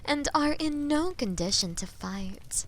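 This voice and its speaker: A woman playing a haughty, taunting female dragon in a fantasy audio drama, speaking deliberately and often dropping into breathy whispers. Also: high voice, expressive, slight background noise, poor audio. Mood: condescending. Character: haughty, menacing female dragon toying with captive knight. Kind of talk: slow, theatrical roleplay monologue in medieval fantasy audio drama.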